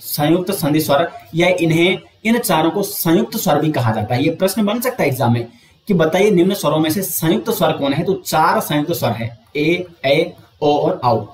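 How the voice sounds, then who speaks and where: With a voice on the high side, darkish in tone and lively in intonation, a man coaches students for an exam in an echoey room. He explains each step, asks himself questions and answers them, and lengthens sounds slowly to show how they go.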